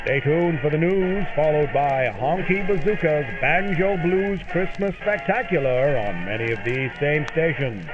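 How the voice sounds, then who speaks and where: A man's voice: a little high, measured pace, few pauses, lightly acted. A man playing a comic old-time radio announcer signing off a show in a formal, cheery style. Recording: dull old radio sound, music behind.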